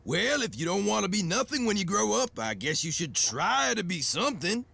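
A man playing a blunt, theatrical and uncaring daycare teacher in a cartoon, with a gravelly voice. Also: high-pitched, very animated, moderate pace, sharp tone, exaggerated voice. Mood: blunt dismissal. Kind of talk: cartoon acting.

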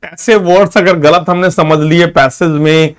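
A man teaching English vocabulary in a live online class, moving between Hindi and English. He reads English examples slowly and praises students by name. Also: on the high side, fairly even intonation. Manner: switches between Hindi and English, with slow, drawn-out English example sentences; praises students by name and urges them to take notes.

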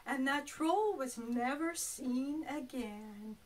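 A woman's voice: high voice, slow, noisy background. A woman storyteller narrating a tale for young children, indoors and recorded from a distance. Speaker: library storyteller, puppeteer. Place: indoors, small curtained performance space. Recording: picked up from a distance.

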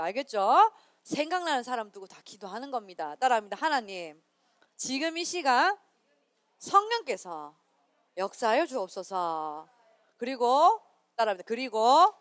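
A woman pastor giving an animated children's sermon, leading the children in repeating lines after her. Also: on the high side, dry recording. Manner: animated, leads children in repeating lines, reads scripture slowly and loudly. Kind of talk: children's sermon with call-and-response.

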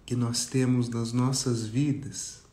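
A Brazilian man leading a guided meditation talk for a group, speaking reflectively with long pauses. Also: mid-range voice, level tone, mellow. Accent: Brazilian Portuguese. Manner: slow, pausing, reflective. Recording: roomy echo, faint music behind.

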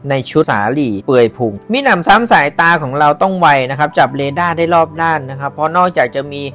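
Man, fast casual book reader who breaks in with chatty asides, light music under. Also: on the high side, a bit bright. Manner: reads with chatty asides and exclamations. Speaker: book reader and podcast host. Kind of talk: casual audiobook reading.

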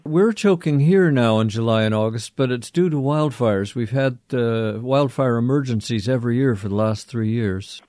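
A man hosts a radio interview with a mid-range voice, recorded dry and close with no room sound. He asks measured, curious questions. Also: medium pitch, darkish tone, no room sound. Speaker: radio host.

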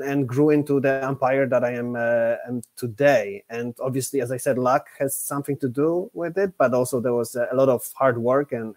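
A man's voice: mid-range voice, darkish tone. A man, talking hesitantly with many fillers and restarts on an online panel. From Poland. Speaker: international hockey umpire, guest. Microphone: computer mic on a video call.

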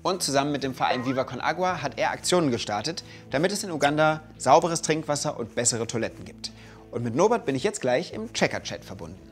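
Man in his thirties, kids' show host, animated pitch, enthusiastic and clear, music behind. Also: fast. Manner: enthusiastic, clear, speaking to kids. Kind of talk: educational narration for children. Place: colorful indoor studio set.

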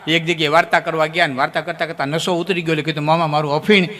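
A man telling comic folk stories on stage, with lively, sudden jumps in pitch. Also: very fast. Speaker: folk storyteller. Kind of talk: folk comedy storytelling on stage. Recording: long hall reverb.

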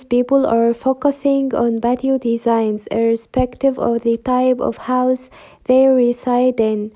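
A woman reading a scripted voice-over narration for a channel in an even, unhurried tone. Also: a little high. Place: voice-over over slideshow.

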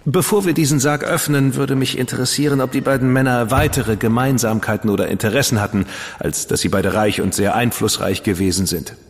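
An actor playing a witty, ironic dandy gentleman in an audio drama. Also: mid-range voice, a little fast, long reverb tail, close to an everyday voice. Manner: ironic, playful. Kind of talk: German audio drama acting.

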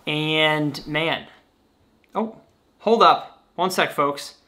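A man's voice: on the high side, very slow, sharp tone. A young adult man hosting a casual, playful debate over a video call from a room at home. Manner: easygoing, playful, wraps up the show. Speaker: host. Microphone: webcam on a video call.

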